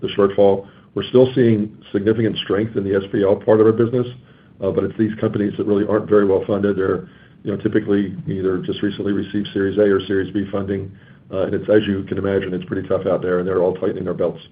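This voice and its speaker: A man answering questions off the cuff as a company executive, haltingly and with repeated words. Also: deep voice, little pitch movement. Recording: narrow, phone-like call line.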